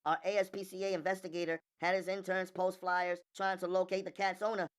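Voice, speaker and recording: A woman's voice: on the low side, flat delivery, clear, resonant tone, natural voice. A woman playing an intense, blunt, probing female defense attorney in an audiobook, speaking emphatically and insistently. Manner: emphatic, insistent, rapid-fire delivery. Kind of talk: audiobook character dialogue.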